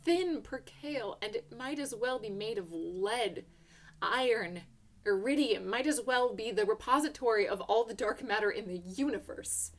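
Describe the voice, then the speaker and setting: A woman gives a dramatic first-person reading of a literary short story, her hushed moments building to emotional peaks. She speaks at a normal speed in a fairly high, animated voice.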